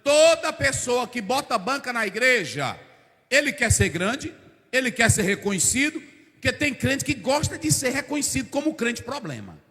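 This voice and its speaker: Animated high-voiced preacher man. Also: normal speed, husky. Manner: animated storytelling, acting out characters, shouting bursts. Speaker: pastor. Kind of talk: lively Pentecostal sermon. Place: church hall. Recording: long church hall reverb.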